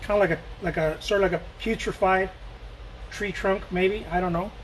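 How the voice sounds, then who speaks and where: A man's voice: high voice, steady tone, moderate pace, slight background noise, poor audio. A man from Mexico chatting casually while he paints live, rambling and joking and answering viewer questions as he goes.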